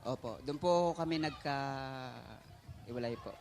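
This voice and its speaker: A man's voice: mid-range voice, slow pace, vocal fry. A man being interviewed on a live variety show, answering politely and hesitantly. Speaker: contestant guest.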